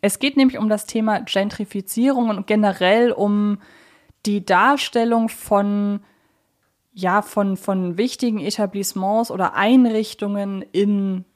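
A woman speaks as a podcast co-host in a medium-pitched voice. She explains things conversationally and keeps a chatty, discussion-like flow. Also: fairly even intonation, a little slow.

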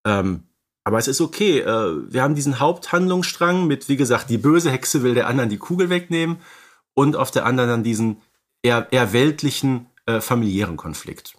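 A man's voice: mid-range voice, animated, fairly quick. A man co-hosts a podcast, casually explaining and discussing films in a conversational way. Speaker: podcast co-host.

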